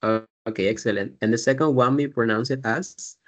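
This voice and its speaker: A man's voice: mid-range voice, a little slow. A man teaching an English class, explaining patiently step by step and drilling pronunciation.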